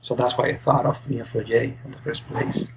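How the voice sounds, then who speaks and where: A man's voice: medium pitch, steady tone, fairly quick, muffled recording, slight background noise. A young man from Spain, a PhD student, explaining his work earnestly as a podcast guest. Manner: earnest, explains with many fillers and restarts. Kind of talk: interview answers.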